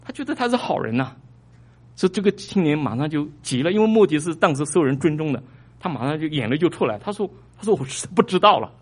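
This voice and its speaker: A male pastor preaching a sermon, animated, surging louder for emphasis and repeating his phrases. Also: on the high side, fast. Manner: repeats phrases, small restarts.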